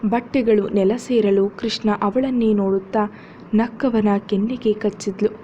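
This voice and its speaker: Woman reading a serial story aloud, mellow dark voice, steady and dramatic, dull lo-fi with faint hiss. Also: mid-range voice, normal speed.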